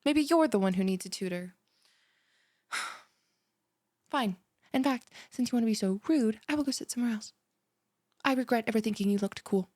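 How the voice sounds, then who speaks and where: A woman's voice: fairly high pitch, animated, normal speed, pauses often, a little mellow, no room sound. A young woman playing a bubbly, ditzy, easily offended student who gushes and rambles in a one-sided audio roleplay. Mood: offended, flustered. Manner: gushing, rambling, dramatic gasps and sighs.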